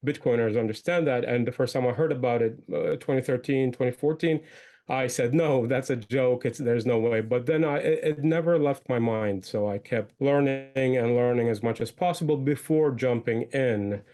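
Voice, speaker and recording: A man's voice: mid-range voice, normal speed, mellow. A man with a mid-range voice answers as an interview guest. He talks conversationally and lays things out step by step. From born in Iraq, moved young to the United States. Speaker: guest, entrepreneur and podcaster.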